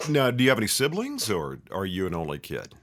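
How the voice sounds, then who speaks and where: A man's voice: on the low side, huge pitch swings, fairly quick, a bit bright. A man from Dallas hosting a podcast, chatting casually and joking with his guest, with lots of restarts. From Dallas, Texas. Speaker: podcast host. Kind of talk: casual interview chat.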